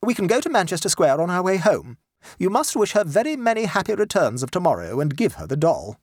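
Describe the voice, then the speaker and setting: An imperious upper-class mother from a storybook, as a male narrator puts her on, scolding in a raised, insistent register. The voice stays husky and close, with no room around it. Her lines swing high and emphatic. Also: sing-song, fairly quick, no room sound.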